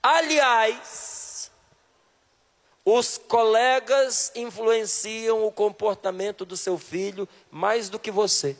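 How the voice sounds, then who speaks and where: A man's voice: high-pitched, slow pace. A man from Brasília with a Brasília accent, preaching a sermon and questioning a live audience directly and emphatically. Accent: Brasília Portuguese. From Brazil, Brasília. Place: large hall with a live audience. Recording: long reverb of a large hall.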